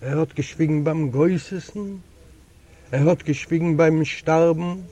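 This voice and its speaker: An older man whose native language is Yiddish reads a literary story aloud slowly. His voice is high but mellow, and he narrates dramatically, frequently slipping suddenly into softer passages.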